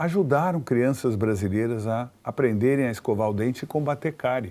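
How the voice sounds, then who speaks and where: Here is an unremarkable speaking voice: a man at medium pitch and moderate pace with lively intonation. The recording is very clean, with a silent background. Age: 60s. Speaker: advertising executive. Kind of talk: interview.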